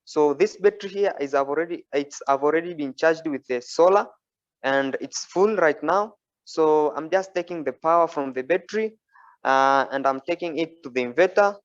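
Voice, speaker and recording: A man's voice: fairly high pitch, moderate pace. A young man from Tanzania presents and demonstrates his own project in a workshop, speaking plainly with frequent fillers, recorded on a phone. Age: young adult. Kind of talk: informal project presentation and demo. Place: workshop with wooden benches, indoors. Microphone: phone camera held at arm's length, wearing headphones. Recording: dull lo-fi phone audio.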